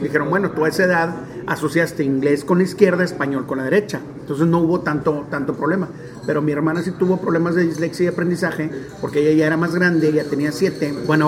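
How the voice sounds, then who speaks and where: A man in his forties from Monterrey with a northern Mexican accent, telling stories in an interview in a chatty, animated way with many fillers. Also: a little high. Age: 40s. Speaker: stadium DJ and announcer. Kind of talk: relaxed storytelling interview.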